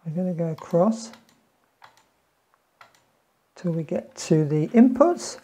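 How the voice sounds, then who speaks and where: A man in his fifties presents an informal, plain-spoken step-by-step tutorial from a small room at home. His fairly high voice is mellow and husky, with lively intonation and a slow pace.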